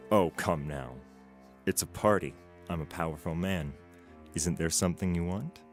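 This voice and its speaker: Man playing a deep-voiced, sleazy rich husband. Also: normal speed, faint music behind, lightly acted. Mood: smarmy. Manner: smarmy, insinuating. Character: sleazy, entitled powerful husband pestering a maid. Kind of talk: audio drama acting.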